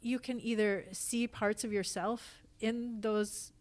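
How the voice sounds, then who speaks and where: A woman's voice: a little high, steady tone, takes it slowly. A woman speaking as a podcast guest in casual, reflective conversation, with an earnest, emphatic way of talking. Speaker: podcast guest, theatre actor and company founder.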